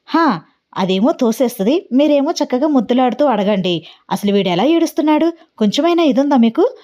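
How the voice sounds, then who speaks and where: A woman voicing a sharp-tongued young mother who scolds her children and husband in quick, exasperated bursts, as part of a read-aloud story. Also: fairly high pitch, expressive, lightly acted.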